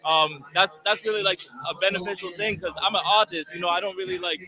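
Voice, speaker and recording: A man's voice: high-pitched, steady tone, fast talker. A man talking casually as a music artist being interviewed. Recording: busy crowd behind the voice.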